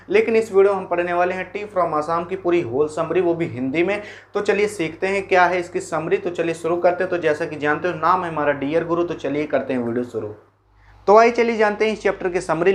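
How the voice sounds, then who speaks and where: A man explaining a school chapter in a casual, folksy way, repeating key points as quick questions and answers. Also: on the high side. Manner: folksy, calls listeners brother and mimics sounds. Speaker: teacher.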